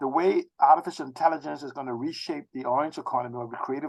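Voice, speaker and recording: Talking at a very fast pace, a man uses a fairly high pitch with vocal fry. His intonation stays fairly even. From Bahamas. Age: 60s. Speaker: tech expert and futurist. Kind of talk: interview. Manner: halting, many repetitions.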